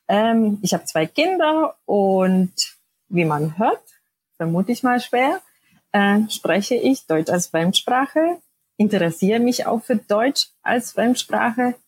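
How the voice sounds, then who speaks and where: A woman's voice: medium pitch, breathy edge, no room sound. A woman in her forties from Poland, whose native language is Polish, speaking with a Polish accent as a podcast guest and telling her story with frequent hesitations. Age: 40s. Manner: hesitant, many fillers. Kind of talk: personal interview.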